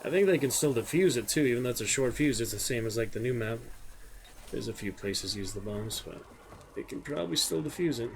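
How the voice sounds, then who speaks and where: A man giving casual, low-key gameplay commentary, musing to himself over game sounds. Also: expressive, brisk, low-quality recording. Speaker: gamer commentating own gameplay. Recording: clear game noise behind voice. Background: video game sounds.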